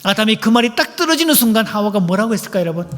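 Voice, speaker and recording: A man, a pastor, gives a lively and playful couples-seminar talk in a church and keeps asking the audience questions. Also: high-pitched, very fast. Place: church sanctuary. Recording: echoey church hall.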